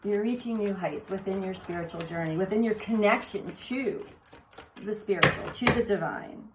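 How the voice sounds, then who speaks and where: Woman w/ a raspy laryngitis voice reading oracle cards, gushy and soft, lots of ums. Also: medium pitch, moderate pace, heavy background noise. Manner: enthusiastic, exclaiming over the cards; soft, meandering with fillers. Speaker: card reader. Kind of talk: oracle card reading for viewers.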